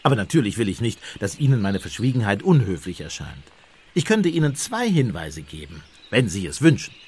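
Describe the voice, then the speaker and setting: A shrewd, gentle priest detective in a radio play. His voice is fairly low and slightly husky, with lively intonation. He speaks politely and evasively, with quiet irony and stubborn calm. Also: a little fast, heavily acted. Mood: calm, firm. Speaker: actor playing a priest detective. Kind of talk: German radio play acting.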